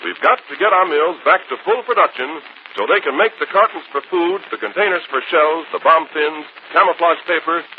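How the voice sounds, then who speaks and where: A man's voice: fairly high pitch, a little fast. A man announcing for 1940s radio, hearty and persuasive. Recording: tinny old radio broadcast, faint hiss.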